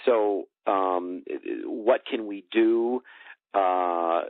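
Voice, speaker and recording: Deep voiced guy being interviewed over the phone, halting earnest explaining, echoey tinny sound. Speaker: interview guest, energy healer. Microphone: telephone. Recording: tinny phone line, roomy echo.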